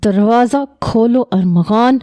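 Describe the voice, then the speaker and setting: A woman voicing a jealous, hot-tempered young male cousin in a read-aloud story, raising her voice to shout threats. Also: a little high, lightly acted. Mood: furious. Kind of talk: storybook reading.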